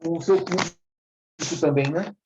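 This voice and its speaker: A man's voice: a little high, normal speed, warm tone, slight background noise. A man of forty, a former factory worker giving an earnest, plain-spoken account in an interview. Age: 40s. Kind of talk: casual interview talk. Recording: echoey room, dull lo-fi sound.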